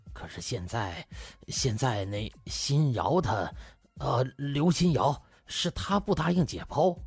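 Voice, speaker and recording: A man puts on a nervous, deferential hospital official for an audiobook drama. He pleads hesitantly and stammers in a husky voice. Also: medium pitch, no echo, full character voice.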